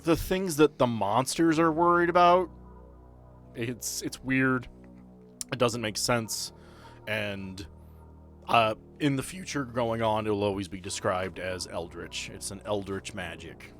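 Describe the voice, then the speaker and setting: A man's voice: lowish voice, slow pace, a bit bright. A man running a tabletop game as game master, narrating and explaining the rules in a conversational way. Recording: music behind the voice. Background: background music.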